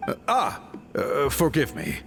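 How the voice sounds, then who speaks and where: A man's voice: mid-range voice, huge pitch swings, a little slow, creaky, fairly bright tone, faint music behind, full character voice. A man playing a dutiful tribal chief in a video game, formal, deferential and earnest. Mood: humble, earnest. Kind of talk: English video game voice acting.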